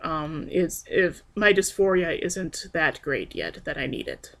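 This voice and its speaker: A young trans man rambling in a personal video diary, hesitant and soft-spoken with frequent pauses and restarts. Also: a little high, animated, gravelly. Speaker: vlogger.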